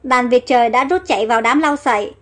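A woman voicing a loyal royal servant who speaks in a flustered, excited way, in a storybook reading. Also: on the high side, fast, soft background music, natural voice.

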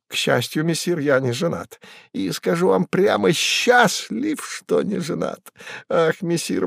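A man voicing a boastful, excitable male talking cat who exclaims and rambles in a high, fussy voice. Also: creaky, no echo, clean studio sound.

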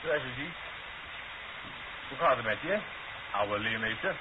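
A man's voice: mid-range voice, lively intonation, unhurried, close to an everyday voice. An actor playing a brash, cocky younger demolition man with a mocking, jovial way of talking, in a 1960s radio drama. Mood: teasing. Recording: muffled, noisy 1960s radio recording.

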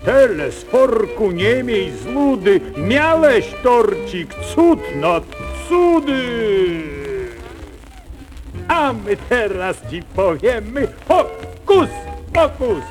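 A man playing a playful gentleman friend of puppets, speaking theatrically as if to children in a musical show. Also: very high-pitched, big pitch swings, extremely slow, heavily acted, poor audio. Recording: music behind, old children's record.

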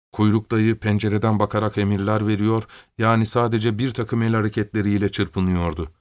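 A man with a lowish voice narrates an audiobook in a measured, even storytelling style. The recording is studio quality with no echo.

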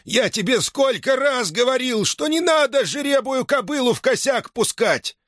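A man voicing an irate, breathless old grandfather who shouts and scolds his grown son. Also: medium pitch, sing-song, moderate pace, no echo, studio quality, voice pushed up, close to an everyday voice. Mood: furious.

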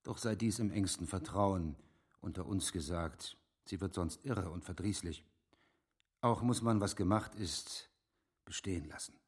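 Army captain, radio drama: low, husky, practical and candid, measured delivery. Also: male voice. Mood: candid, confidential. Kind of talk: German radio play acting.

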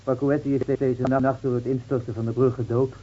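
An actor playing a weary, grumbling gendarme in a radio drama, speaking flatly. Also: male voice, medium pitch, quick pace, lightly acted. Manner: flat, grumbling. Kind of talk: Dutch radio drama acting. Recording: muffled, faintly noisy old radio recording.

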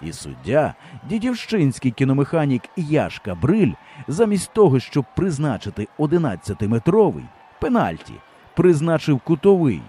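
A man narrating a humorous story in an audiobook, telling it in a lively way. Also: on the high side, normal speed, slightly rough. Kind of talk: scripted narration.

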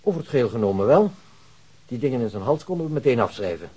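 An actor playing a self-assured hospital doctor in a Dutch radio drama, explaining things in a measured, pedantic way. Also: male voice, mid-range voice, very animated, warm tone, husky. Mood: clinical, assured.

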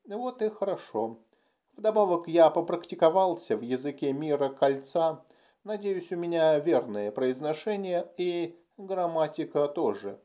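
A man voicing a timid but cunning alien puppeteer in an audiobook, speaking in a calm, precise, scheming way. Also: a little high. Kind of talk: audiobook character voice.

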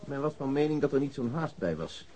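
An actor playing a wry, matter-of-fact police detective in a Dutch radio crime drama, briefing in an orderly way. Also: male voice, mid-range voice, very animated, fairly quick, dark tone, lightly acted. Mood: formal, measured.

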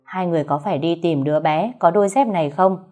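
A woman's voice: lowish voice, fast talker, warm tone, soft background music, natural voice. A woman voicing a middle-aged male fisherman who tells things in a plain, matter-of-fact way. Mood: earnest.

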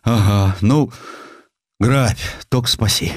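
A man's voice: fairly low pitch, takes it slowly, no echo, studio quality, voice pushed up. A man playing a naive provincial merchant in trouble, begging humbly in folksy speech for an audio drama. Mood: resigned.

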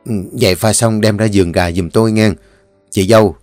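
A man's voice: fairly low pitch, fairly even intonation, fairly quick, darkish tone, no echo, faint music behind, natural voice. A man voicing a smug young master of a rich household in a story, with a casual, commanding tone.

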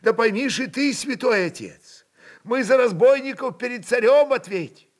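A man's voice: very high voice, lively intonation, moderate pace, voice pushed up. A man playing an anxious, exasperated voivode of old Tsarist Russia, emphatic and commanding in old folk phrasing.

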